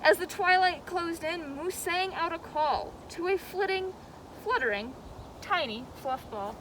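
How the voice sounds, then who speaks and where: A high-pitched woman hosts story time as a zoo educator, expressive and dramatic in her delivery. Clear outdoor noise, with some vehicle rumble, sits behind her voice. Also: a little slow, low-quality recording. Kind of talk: animated children's storybook reading and educational talk.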